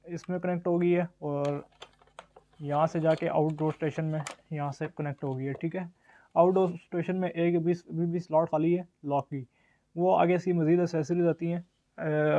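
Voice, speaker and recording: A man's voice: a little high, dark tone, muffled recording. A man with a Pakistani accent narrating a casual product unboxing and demo as the presenter. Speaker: shop's product reviewer and presenter.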